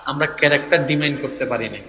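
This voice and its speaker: A man preaching a waz sermon at a large gathering. He shouts to the crowd and calls for responses, then drops to soft, close tones. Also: medium pitch, fast, lo-fi sound. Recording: echoey PA sound with loud crowd noise.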